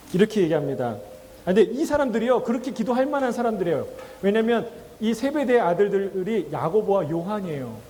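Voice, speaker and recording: A man's voice: high voice, mellow, big-room sound. A male pastor preaching a sermon in a conversational way, asking the congregation questions and acting out quoted voices with a chuckle. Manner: acts out quoted voices with laughs. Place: church sanctuary.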